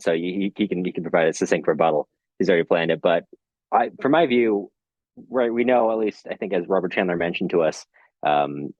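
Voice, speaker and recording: A man's voice: low voice, darkish tone, no room sound, muffled recording. A man hosting a podcast, talking casually about literature in a hesitant, hedging way. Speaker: podcast host.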